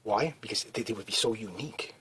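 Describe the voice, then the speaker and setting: A man's voice: lowish voice, fast talker, pushed and bright, a little hiss or hum. A man talking in a rambling, casual monologue, full of restarts and fillers. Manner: meandering, many restarts and "you know" fillers. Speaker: video blogger.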